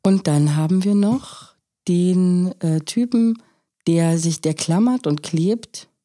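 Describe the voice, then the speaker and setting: Woman, low pitch, mellow tone, calm podcast co-host. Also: takes it slowly. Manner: calm, adds short agreeing remarks. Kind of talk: casual conversation.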